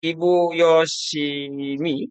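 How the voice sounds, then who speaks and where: A man's voice: on the high side, little pitch movement, very slow, clear, resonant tone. A man hosting an informal live stream, chatty and often echoing what his guests say. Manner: chatty, repeats guests' words. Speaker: host.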